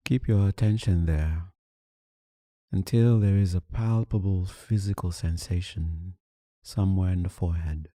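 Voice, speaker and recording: A man with a very dark, mellow voice guides a meditation in a low register. He gives soothing instructions in short phrases and leaves long, unhurried pauses between them. The sound is close and dry. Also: fairly even intonation, no room sound. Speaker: meditation teacher.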